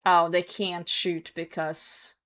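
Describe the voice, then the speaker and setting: A woman's voice: on the low side, level tone, slow pace, fairly bright tone. Hungover woman streaming a game, sweary. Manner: sweary, reacting to chat and game. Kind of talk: casual live stream chat with gameplay commentary.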